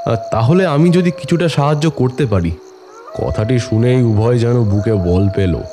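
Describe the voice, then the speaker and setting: A man's voice: mid-range voice, normal speed, background noise, close to an everyday voice. A man playing a tantric holy man, solemnly narrating his uncanny adventures in a dramatic first-person horror story. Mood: solemn, suspenseful. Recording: music bed under the voice. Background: dramatic music.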